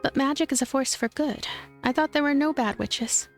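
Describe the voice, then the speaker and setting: A woman's voice: high voice, normal speed, soft background music. A woman voicing an earnest, hesitant young witch heroine in visual novel narration. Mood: wistful.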